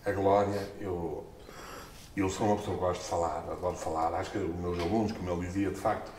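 Middle-aged man, European Portuguese accent, animated storyteller with big jumps in pitch; low voice, camera mic far off in an echoey room. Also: fairly quick, a little hiss or hum. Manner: expressive, gestures and laughs often, jumps in pitch when excited. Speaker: book author. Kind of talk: animated storytelling at a book launch. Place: small stone-walled room, indoors.

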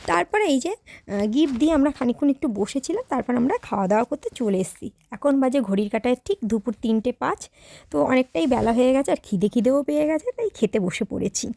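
High-voiced chatty woman vlogger. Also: expressive, brisk, creaky, mellow, dry recording. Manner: chatty, addresses viewers directly. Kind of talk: casual vlog narration.

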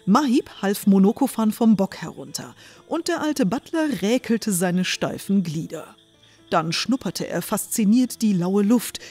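A woman narrates a scripted fairy-tale audio drama. Her voice sits at an average pitch for a woman, and music plays behind her as she tells the story. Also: mellow, slightly rough. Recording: music under the voice.

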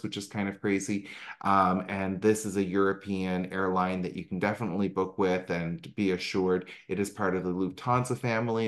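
Upbeat Canadian man presenting travel slides. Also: sits low. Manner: upbeat, conversational, frequent ums and asides. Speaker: travel advisor presenting a destination talk. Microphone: video call microphone.

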